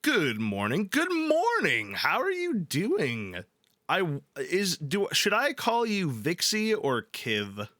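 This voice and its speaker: A man's voice: sits high, huge pitch swings, slow pace, sharp tone, no echo, clean studio sound. A playful, irreverent man hosting a livestream, moving between casual chat and reading aloud. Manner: playful, irreverent, profane, jokey. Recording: background music under the voice. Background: ambient background music.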